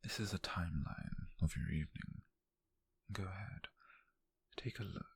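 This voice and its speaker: A British man playing a calm, menacing, possessive detective in a whispered ASMR roleplay, with a breathy, husky voice and slow, deliberate delivery. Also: low voice, no echo, full character voice. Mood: controlled, curious.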